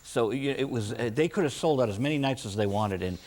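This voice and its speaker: Middle-aged male interviewer, medium pitch. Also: animated, quick pace, a little mellow. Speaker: interviewer, host. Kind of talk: casual interview chat.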